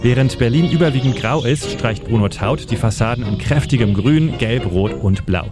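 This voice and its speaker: A man reading a scripted radio feature about history and architecture in a measured documentary manner. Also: mid-range voice. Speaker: feature narrator. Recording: studio voice-over over music.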